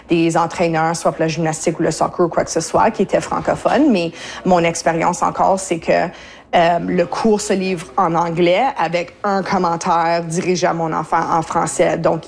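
A woman speaking as a parent in a radio interview, often pausing on fillers and restarting her sentences. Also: on the low side, vocal fry, a little mellow. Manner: hesitant, many fillers and restarts.

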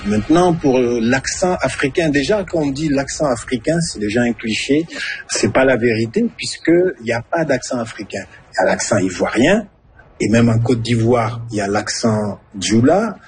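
A man's voice: mid-range voice, lively intonation, moderate pace, faint music behind. Man explaining with rising emphasis. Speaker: interviewee. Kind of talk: explanatory interview talk.

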